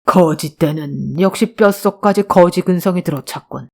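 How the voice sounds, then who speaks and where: A woman voicing a sneering gruff police captain. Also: fairly low pitch, moderate pace, darkish tone. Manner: sneering, contemptuous. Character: gruff menacing adult male police captain.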